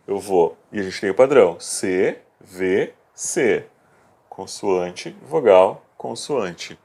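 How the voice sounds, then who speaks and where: Slow, patient low-voiced male teacher. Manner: patient, step-by-step, repeats key words slowly. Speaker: English teacher. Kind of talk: video lesson explanation.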